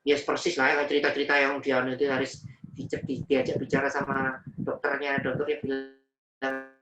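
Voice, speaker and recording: A man with a Javanese accent, a Muslim preacher telling a personal story in an emotional, animated way. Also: mid-range voice, moderate pace, roomy sound, recorded from a distance, muffled recording. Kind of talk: personal story in a religious talk.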